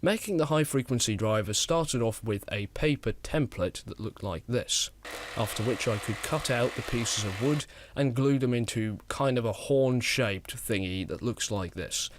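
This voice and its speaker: A man's voice: medium pitch, moderate pace, background noise. A young man narrating a step-by-step DIY how-to, speaking into a close studio microphone. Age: late teens to young adult. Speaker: DIY maker and presenter. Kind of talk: explanatory how-to voice-over narration. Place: small wood-panelled attic room. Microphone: close studio mic on a boom arm.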